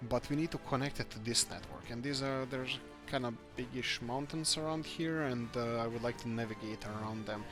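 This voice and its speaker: A man from Croatia, hosting a let's-play game video and thinking aloud as he builds, often searching for words. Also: mid-range voice. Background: background music.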